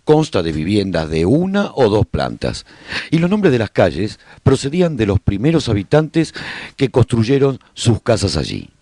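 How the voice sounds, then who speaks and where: A man narrates a scripted radio serial in a documentary tone, with measured, deliberate phrasing. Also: on the low side, huge pitch swings, dark tone, no echo.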